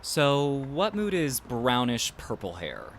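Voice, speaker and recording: A woman playing an inquisitive, casual cryptid in disguise in an audio drama, with a deadpan, probing manner. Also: rumbling low, takes it slowly, slight background noise, exaggerated voice. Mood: casual, curious.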